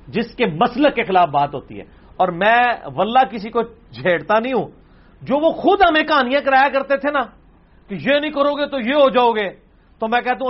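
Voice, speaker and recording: A man's voice: high-pitched, dull audio. A man answering audience questions as a religious scholar, arguing hard with rhetorical questions and quoted opponents. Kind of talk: impassioned religious Q&A talk.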